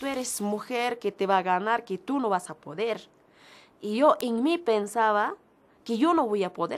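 A woman's intonation is lively as she talks at a fairly slow pace. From rural Puno, Peru. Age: 40s. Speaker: cattle farmer. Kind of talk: interview answer. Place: farm machine.

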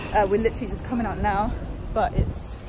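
A woman speaking at a fairly quick pace over music in the background. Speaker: travel vlogger. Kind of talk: casual vlog chat. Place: street. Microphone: phone near.

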